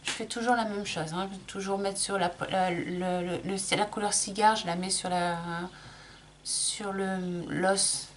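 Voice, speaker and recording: A woman's voice: medium pitch, steady tone, unhurried, slight background noise. A middle-aged woman chatting casually through a makeup tutorial, explaining each step with lots of small restarts. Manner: chatty, explains while applying, frequent restarts and fillers. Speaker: makeup vlogger.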